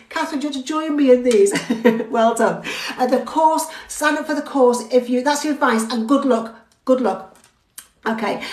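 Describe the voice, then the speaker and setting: A British woman who works as a driving instructor gives an upbeat, chatty and encouraging theory-test lesson over a live stream, talking straight to her viewers and reading out their comments. Her voice is high-pitched, and the rough recording has a roomy sound.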